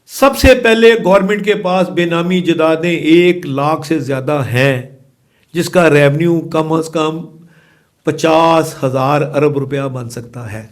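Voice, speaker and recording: A middle-aged man from Pakistan, a former chamber of commerce president, giving emphatic interview answers that swing from forceful outbursts to low, quiet remarks.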